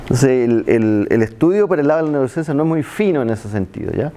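A middle-aged man from Chile talks fast in a mellow, mid-range voice with lively intonation while lecturing a seated university class in a seminar room with a projector. He's casual, checks in with "¿ya?" after nearly every point, and mocks himself along the way. He uses a handheld mic while a far-off camera films, with a little hiss or hum in the recording.

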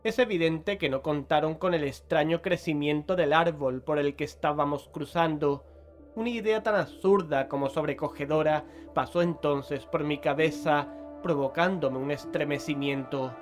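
A man plays a grim investigator haunted by visions in a horror audio drama. His fairly high male voice is solemn and measured, set over prominent music. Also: natural voice. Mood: solemn, uneasy. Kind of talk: Spanish horror audio drama, narration and dialogue.

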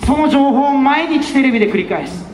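High-pitched man giving a fiery street speech. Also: animated, a little fast. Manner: fiery, rhetorical, with repeated questions and bursts of shouting. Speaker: election campaign speaker. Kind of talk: impassioned street campaign speech. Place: outdoors in front of a busy station. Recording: echoey outdoor PA sound with faint music.

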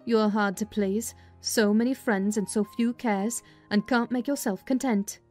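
A woman plays a disapproving servant woman from a classic novel. She is blunt, dry and sceptical, in a mellow mid-pitched voice with faint music behind. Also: fairly even intonation, unhurried, lightly acted. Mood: dry, sulky. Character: dry, disapproving female servant questioning her young mistress. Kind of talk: dramatised classic novel reading.

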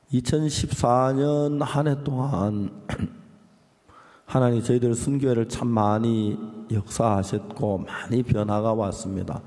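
An older pastor with a Gyeongsang accent preaches a sermon in a low, mellow voice. He slips into folksy, joking stories between scripture readings. His words ring out with the long reverb of a large church hall. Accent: Gyeongsang Korean. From Gyeongsang region, South Korea.

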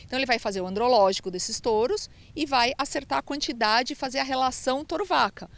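A woman's voice: high voice, fast. A woman researcher explaining cattle breeding methods in an interview, often checking in with the listener. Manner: explanatory, uses tag "tá?".

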